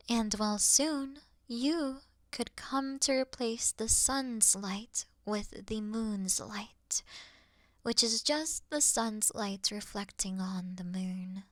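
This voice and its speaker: Slow, whispery moth girl played by a woman. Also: mid-range voice, no room sound, clean studio sound. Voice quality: soft, often whispered, breathy. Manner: slow, gentle, slightly formal and hesitant. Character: earnest, awkward moth girl comforting a sleepless human. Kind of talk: soft-spoken sleep-aid ASMR roleplay.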